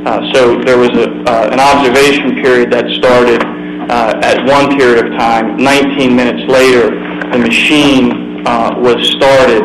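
A man delivers a formal legal argument in a deferential, halting way, pausing often to hesitate. His medium-pitched voice stays quite monotone. The room is echoey and there is a clear hum behind him. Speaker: lawyer. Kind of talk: formal oral argument before judges. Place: courtroom.

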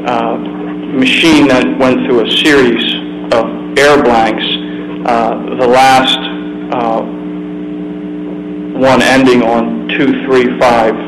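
A man delivers a formal legal argument in a deferential, halting way, pausing often to hesitate. His medium-pitched voice stays quite monotone. The room is echoey and there is a clear hum behind him. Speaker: lawyer. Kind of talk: formal oral argument before judges. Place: courtroom.

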